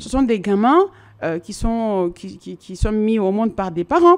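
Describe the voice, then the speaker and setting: Over a quiet background, a woman with a fairly high pitch lets her voice swing very widely. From Mayotte. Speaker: activist collective president; interview guest. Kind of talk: TV interview. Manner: halting. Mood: earnest, concerned, firm. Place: studio. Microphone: studio mic.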